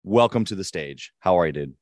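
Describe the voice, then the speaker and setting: A man with a deep voice hosting a podcast, energetic and emphatic, speaking from an airport. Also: brisk, no room sound, clean studio sound. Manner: projecting, hyped-up, talking quietly in airport. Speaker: podcast host.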